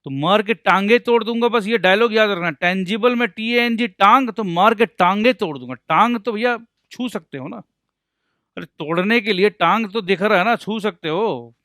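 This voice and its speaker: A man's voice: high-pitched, pushed and bright, dry recording, studio quality. A man teaching accountancy in a lecture, talking in a playful way, joking to explain points and answering his own questions as if he were a student. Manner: playful, mixes Hindi and English, jokes to explain. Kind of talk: recorded lecture.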